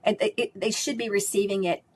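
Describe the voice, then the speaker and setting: A woman's voice: medium pitch, fairly even intonation, brisk, darkish tone. A middle-aged woman speech pathologist with a strong voice. She answers interview questions in an emphatic, conversational way and often ends her points with "right?". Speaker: speech pathologist and course instructor.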